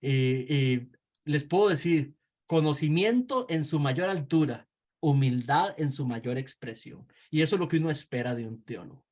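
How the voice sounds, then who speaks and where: Costa rican guy teaching theology class, kinda breathy, says "verdad" all the time, chatty. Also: a little high, lively intonation, moderate pace, a little mellow. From Costa Rica. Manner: conversational, frequent fillers and "¿verdad?" tags. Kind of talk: lecture with personal anecdote.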